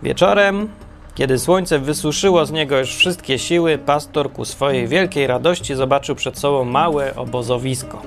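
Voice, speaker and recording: A man narrating a parable in a wry, deadpan storytelling manner. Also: medium pitch, moderate pace, soft background music. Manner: wry, deadpan humor with self-corrections.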